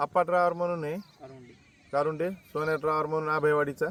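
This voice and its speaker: This man has a plain, everyday voice, pitched fairly high, with fairly even intonation. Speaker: bullock cart race owner. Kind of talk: interview.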